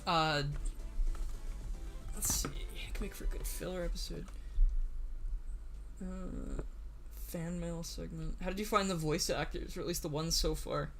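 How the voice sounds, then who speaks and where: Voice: mid-range voice, steady tone, unhurried, vocal fry, long pauses, over music. A livestream host and series writer chatting casually on a computer mic, nervous, stammering and laughing often.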